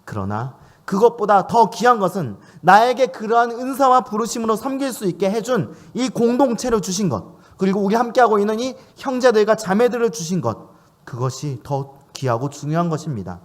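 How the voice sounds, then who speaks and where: A man's voice: sits high, animated, fairly quick. A man preaching a sermon in church, asking questions of his listeners as he speaks. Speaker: pastor.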